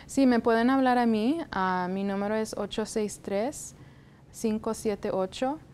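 A young woman from the United States, a health department guest in a studio interview, speaking in a measured way with many hesitation fillers, on a lapel mic. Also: on the high side, a little mellow, a little hiss or hum. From United States (Texas, raised in Florida). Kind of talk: interview answers. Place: TV studio set.

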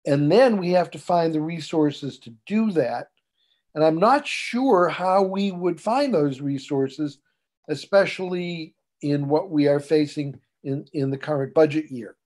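Slow, deliberate older man in a meeting. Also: on the high side, a little mellow. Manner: measured and deliberate, with many fillers. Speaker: clinician and commission subcommittee member. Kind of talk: remote committee meeting remarks. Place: home room. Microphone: video call.

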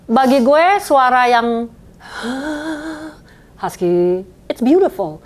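A woman guest in a casual conversation, relaxed and easygoing, sprinkling English phrases into her talk. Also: fairly high pitch, takes it slowly. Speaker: guest singer and vocal coach.

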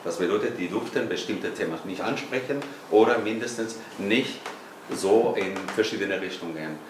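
Older man with a Spanish accent, deep. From Spain. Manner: halting, searching for words. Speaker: audience member. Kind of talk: audience question in a panel discussion. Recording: echoey room, voice from far off, noisy.

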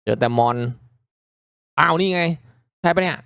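A man giving casual, reactive commentary as he hosts a mobile game playthrough, chatting politely to viewers with excitable exclamations. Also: a little high, a little slow, gravelly, no room sound, studio quality. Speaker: gaming video host.

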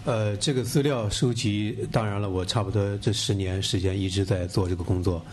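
Low-voiced man speaking at a book event. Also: fairly even intonation, brisk, a little hiss or hum. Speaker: author. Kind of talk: answering questions at a book event. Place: bookshop event, seated at a table. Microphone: table mic.

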